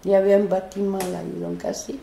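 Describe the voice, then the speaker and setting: A woman with a foreign accent, telling a personal story in an animated, hesitant way, full of restarts. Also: mid-range voice, fast, vocal fry, slight background noise. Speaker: interviewee, neighbourhood resident. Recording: roomy echo.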